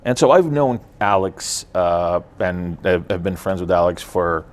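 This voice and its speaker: Here a guest from Ukraine, a man with a deep voice whose native tongue is Russian, talks through blockchain tech in a relaxed interview. He keeps pausing, restarting, and filling gaps with filler words.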